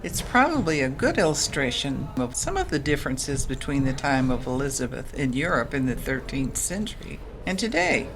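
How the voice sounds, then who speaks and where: An actress playing a kindly, patient Catholic sister in an audio drama, explaining things gently. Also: female voice, very deep voice, sing-song, moderate pace, hardly any pauses, background noise, full character voice.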